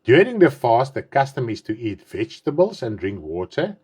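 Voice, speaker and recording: A middle-aged man with an Afrikaans accent delivers an earnest online sermon in English, his first language being Afrikaans. His pitch swings widely, climbing on emphatic words and sinking at the ends of phrases. His mouth is dry, and he rephrases and repeats as he goes. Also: sing-song, moderate pace, a little mellow, breathy edge. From South Africa. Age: 50s. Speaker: pastor.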